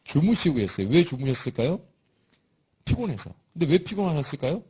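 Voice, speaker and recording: A man preaching a sermon in a lively, conversational and humorous way, with a husky voice. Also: fairly high pitch, fairly quick.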